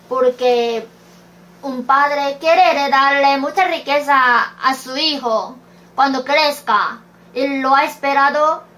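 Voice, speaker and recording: A woman's voice: high-pitched, sharp tone. A woman preaching a sermon, reading scripture verses aloud and asking rhetorical questions. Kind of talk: slow sermon.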